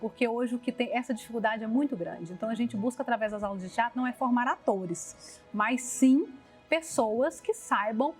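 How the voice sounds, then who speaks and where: A woman's voice: fairly high pitch, normal speed. A woman with a Brazilian accent answering in an interview, explaining as she goes and often rephrasing. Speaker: theatre company producer. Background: music.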